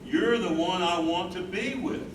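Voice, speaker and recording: A man's voice: high voice, unhurried, a loud crowd. A man playing a devoted, reflective husband who cares for his wife, in a dramatic staged reading. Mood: tender. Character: devoted husband and carer, loving, troubled, reflective. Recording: echoey distant stage recording, clear noise.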